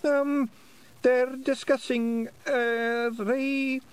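Squeaky Scottish pixie. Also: male voice, flat delivery, extremely slow, clear, resonant tone, full character voice. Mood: sheepish. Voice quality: high squeaky brogue. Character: tiny blue male pixie warrior, nervous.

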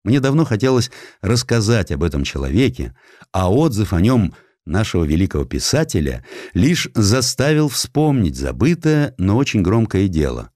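Male audiobook narrator for historical prose: low register, wide expressive range, measured dramatic emphasis, dry close recording. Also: no echo. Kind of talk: scripted literary narration of a historical essay.

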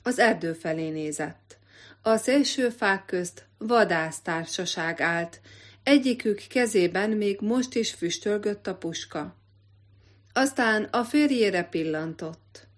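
A woman narrating an audiobook in a measured, expressive literary reading. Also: medium pitch. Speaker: audiobook reader.

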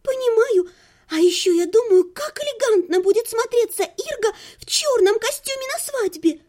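A woman's voice: extremely high pitch, expressive, moderate pace, darkish tone, pitched above the performer's own voice. A woman voicing a naive young noblewoman who chatters with breathless, sing-song enthusiasm. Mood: gushing.

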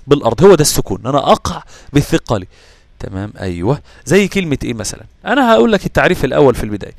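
A man with an Egyptian Arabic accent teaching Quran recitation rules, checking whether listeners follow with quick questions and answering his own questions. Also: fairly high pitch, no room sound. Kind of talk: explaining tajweed rules to students.

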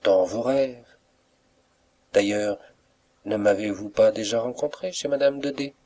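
A man reading an audiobook, voicing a mysterious young suitor who speaks gently and respectfully, with soft reproach. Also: lowish voice, unhurried. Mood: tender.

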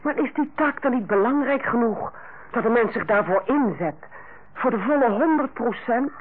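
A woman plays a fussy, bossy senior nurse with a high, slightly husky voice that swings widely in pitch. Her is precise and matter-of-fact, in old radio play style. The recording is muffled and lo-fi. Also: expressive, moderate pace, slight background noise, natural voice. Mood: defensive. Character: strict, fussy senior hospital nurse, Carla, on holiday.

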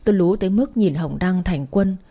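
A woman narrating a romance story in a steady, even way. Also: lowish voice, normal speed.

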